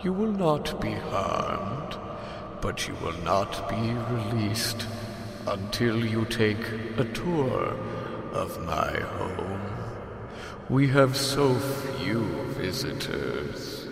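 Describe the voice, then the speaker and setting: A gravelly, gloating ghost host. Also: male voice, lowish voice, very animated, heavily acted. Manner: slow, gloating and mock-courteous, with eerie laughs. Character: sinister, theatrical ghost host of a haunted mansion. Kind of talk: audio drama acting. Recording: cavernous reverb with ambient noise.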